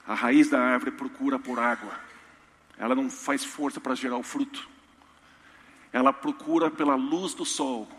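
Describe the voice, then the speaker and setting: A man preaching a sermon in a church, humorous and storytelling with lively asides. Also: mid-range voice. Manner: storytelling, humorous, animated impressions. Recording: reverberant church hall.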